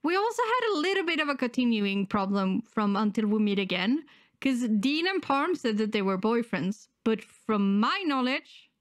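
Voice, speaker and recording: A woman's voice: a little high, very animated, normal speed, no echo. A middle-aged woman who is sick and slightly wheezy, chatting casually and hesitantly to camera as a reaction channel host, close on a desktop microphone. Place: indoors, small room at home.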